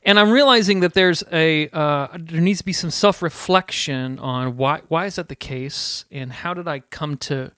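A man's voice: fairly high pitch, normal speed, few pauses, sharp tone, clear, resonant tone, no echo, clean studio sound. A man co-hosting a podcast, talking casually with self-deprecating jokes and stammered restarts. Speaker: podcast co-host. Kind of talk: casual interview chat.

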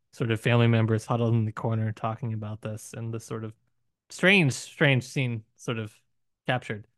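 Male podcast co-host, medium pitch, casual bookish discussion, halting and questioning delivery, dry recording. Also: dry recording. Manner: musing, poses rhetorical questions, halting with filler phrases.

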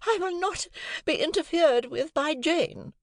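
A haughty, imperious gentlewoman who speaks high and shrill, as a male narrator puts her on, full of wounded dignity. The recording is dry and close. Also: lively intonation, unhurried, vocal fry, no room sound, exaggerated voice. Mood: indignant. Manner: shrill, indignant and affronted.

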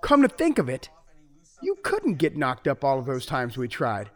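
A man's voice: medium pitch, huge pitch swings, normal speed. A man playing a volatile, out-of-work, drinking husband who swings between rage and pleading, and also narrates the story in the first person. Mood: bitter.

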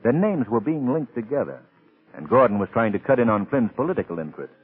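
An actor playing a suave, wry gentleman sleuth in an old-time radio drama, urbane and drily ironic, on a tinny old recording. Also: medium pitch, sing-song, fast talker, husky. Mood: wry, scheming.

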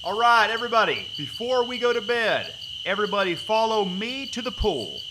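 A man's voice: high voice, big pitch swings, normal speed, background noise. An actor playing an earnest camp preacher, folksy and solemn as he addresses his flock in an audio drama. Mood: rallying. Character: earnest male camp preacher leading a baptism.

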